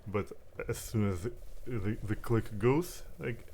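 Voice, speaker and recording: A man with a fairly low voice plays a tabletop game, casually describing his character's actions. His audio comes through an online call with clear background noise underneath. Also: takes it slowly, a little mellow. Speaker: player.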